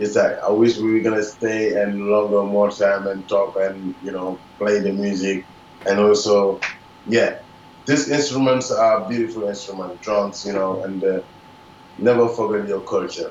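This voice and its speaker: A man speaks at a moderate pace with a fairly low pitch and fairly even intonation. Noticeable background noise is present. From Senegal. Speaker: musician. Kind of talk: casual interview chat. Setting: video call. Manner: halting, searching for words.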